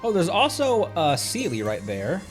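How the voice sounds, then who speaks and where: A man's voice: high voice, huge pitch swings, normal speed, soft background music. A man hosting a game livestream, chatting casually with viewers and rambling as he thinks aloud. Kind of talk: casual gaming chat with viewers.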